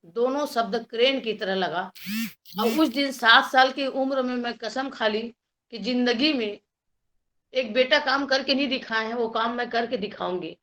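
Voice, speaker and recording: High-voiced Chhattisgarhi woman telling her story. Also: a little slow, a bit bright. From Chhattisgarh, India. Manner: earnest, heartfelt storytelling that acts out the voices of people she quotes. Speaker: guest speaker. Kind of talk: personal life story talk. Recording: dull lo-fi recording.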